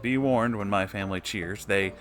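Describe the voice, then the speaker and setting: A man's voice: on the low side, moderate pace. A man hosting an online story reading, speaking expressively and informally with casual swearing. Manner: profane, informal. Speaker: online story reader and host.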